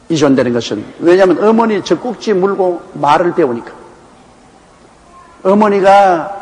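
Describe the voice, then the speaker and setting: Older man, pastor, from Gyeongsang, sermon, emphatic, anecdotal, fairly high voice. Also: long reverb tail, rough recording. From Gyeongsang, Korea. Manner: conversational preaching with folksy personal anecdotes; animated, emphatic delivery. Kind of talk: sermon with Bible exposition.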